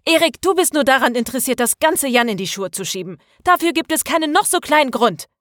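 A woman's voice: mid-range voice, lively intonation, a little fast, no echo, studio quality, voice pushed up, close to an everyday voice. A woman voicing a passionate, stubborn young female student in an audiobook, indignant and emphatic. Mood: furious. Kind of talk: dramatized audiobook dialogue.

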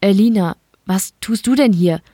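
A curt, hostile male prison guard speaks rudely and dismissively, read by a woman in her own voice. The pitch sits in a middle range and the recording is dry and close. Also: normal speed, dark tone, dry recording, lightly acted.

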